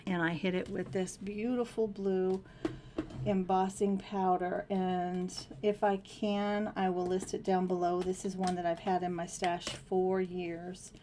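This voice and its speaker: A middle-aged woman with a scratchy, hoarse voice, chatting casually as she shows handmade cards and rambles through her steps. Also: fairly low pitch, flat delivery, a little slow, dark tone. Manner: chatty, rambling, restarts often. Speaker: card-making channel host. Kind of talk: casual crafting tutorial.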